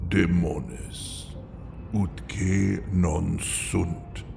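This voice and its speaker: Over noticeable background noise, the speech moves at a very slow pace. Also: man. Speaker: radio show host. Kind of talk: horror story reading.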